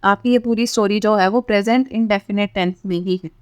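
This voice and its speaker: A woman's voice: medium pitch, steady tone, fairly quick, smooth, dry recording, highs cut off. A woman with an Indian accent teaching a language lesson step by step, in an instructional way with frequent short check-in tags. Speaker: English teacher, channel host.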